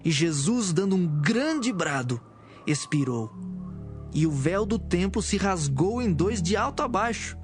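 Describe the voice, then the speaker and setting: Male Bible narrator, slightly high voice, reading a script over background music. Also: very animated, unhurried. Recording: music behind the voice.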